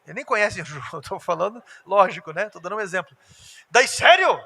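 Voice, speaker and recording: A Brazilian man preaching as pastor in a church, animated and joking, acting out everyday conversations to make his points. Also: sits high, fast, gravelly, breathy edge. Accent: Brazilian Portuguese. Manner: animated, jokey preacher who acts out everyday dialogue. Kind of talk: lively sermon. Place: church hall. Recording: reverberant church hall.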